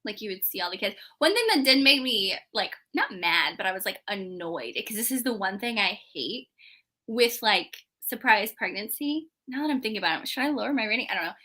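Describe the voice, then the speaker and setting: A woman's voice: medium pitch, lively intonation, fairly quick, pushed and bright. A woman talking informally about books as a live show co-host, using "like" often as she gives opinions. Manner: informal, heavy use of "like". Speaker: co-host of a book club readalong. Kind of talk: casual book chat, live show.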